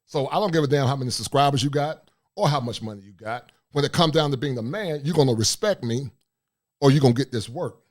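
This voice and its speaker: A middle-aged man with a deep voice, hosting a livestream talk show, speaking forcefully and reading shout-outs from the chat. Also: quick pace. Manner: forceful, preachy, reads chat aloud. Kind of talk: casual livestream monologue.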